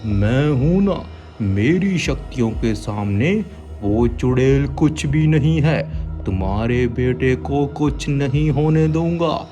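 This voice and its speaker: A proud village holy man from a cartoon tale, played by a man, speaking in slow, commanding phrases. He is protective and wrathful, boasting of his powers over a music bed. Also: medium pitch, expressive, warm tone, pitched above the performer's own voice. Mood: reassuring, confident.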